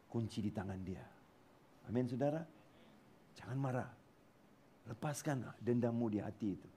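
A man with a Malaysian accent preaching a sermon in church, mixing in English words and swinging between loud bursts and soft asides. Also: on the low side, slight background noise. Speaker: pastor. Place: church hall.

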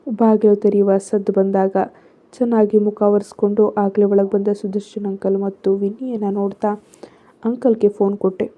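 A woman's voice: medium pitch, flat delivery, normal speed. A woman narrating a story in the first person, reading steadily. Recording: phone-like narrow sound.

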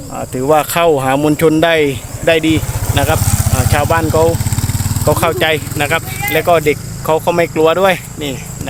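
A man talking casually to viewers in an explanatory vlog, hesitant and repetitive, with many drawn-out filler pauses. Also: fairly high pitch. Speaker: soldier vlogger addressing viewers. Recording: noisy outdoor recording with insect ambience.

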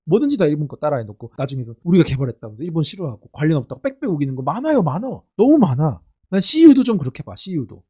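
A man's voice: high voice, warm tone, husky. A middle-aged man hosting his own channel, giving sarcastic, indignant commentary in a casual ranting style. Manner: sarcastic, indignant, mocking asides.

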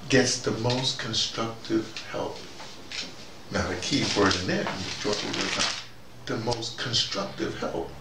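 Taking it slowly, a commentator in his fifties wanders from idea to idea while addressing a small group in a small room indoors, his pitch jumping up suddenly whenever he stresses a point. A distant camera mic captures him, leaving the audio roomy and noisy.

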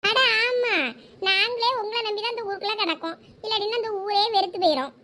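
A woman's voice: very high-pitched, fast, a crowd in the background. A woman with a Thoothukudi Tamil accent acting out gossipy, scolding village women in a comedy sketch.

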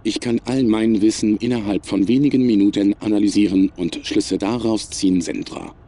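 A man playing a cold, superior, menacing artificial intelligence in a science fiction audio drama, speaking in a measured, formal, emotionless way. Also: fairly low pitch, steady tone, dark tone, slight background noise, close to an everyday voice. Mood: analytical, detached.

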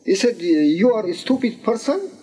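A man's voice: high-pitched, normal speed, husky. An older man, a native Persian speaker from Iran, telling a life story in a dim indoor room on old videotape, his voice rising when he quotes people. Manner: animated storyteller, voice rising in quoted speech, gesturing. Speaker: interviewee. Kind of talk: storytelling oral history. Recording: old VHS tape.

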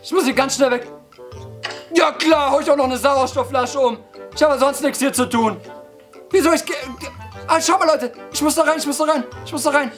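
A hoarse young man doing let's-play commentary, excitable, yelping and laughing as he talks to his viewers. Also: very high-pitched, a little fast. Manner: excitable, yelps and laughs, keeps addressing viewers. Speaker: gaming YouTuber. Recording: background music under voice. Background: game music.

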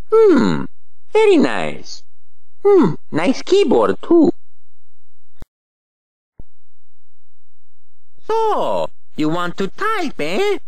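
A man's voice: no room sound, exaggerated voice. A man voicing Mario, a cheerful cartoon plumber hero with an exaggerated Italian accent, giggling and cheering on a player learning to type in a video game. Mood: playful. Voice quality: squeaky, sing-song. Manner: goofy and encouraging, giggly. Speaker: typing tutor guide. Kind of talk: video game character voice lines.

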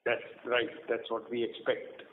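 A man's voice: mid-range voice, monotone, measured pace. A man, a company executive answering questions on an earnings call in a blunt, dismissive way. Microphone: conference phone call. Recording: narrow noisy phone line.

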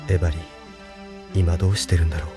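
Guy voicing dreamy young hero boy, low soft musing voice, music playing under it. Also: level tone, quick pace, lightly acted. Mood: wistful. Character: young male hero pilot, dreamy and earnest. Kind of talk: anime radio drama acting.

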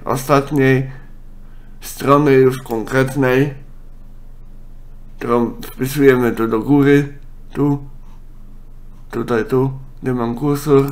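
A man, a congested nose and a speech impediment, giving a casual, halting software walkthrough. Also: mid-range voice. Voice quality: congested, blocked-nose sound; speech impediment, imperfect articulation. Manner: halting, with self-corrections. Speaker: software tutorial presenter.

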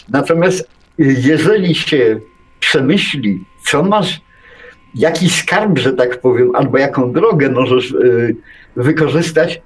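A man in an unscripted radio discussion, speaking haltingly as he searches for words. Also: mid-range voice, darkish tone, low-quality recording. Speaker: radio show co-host and video game enthusiast.

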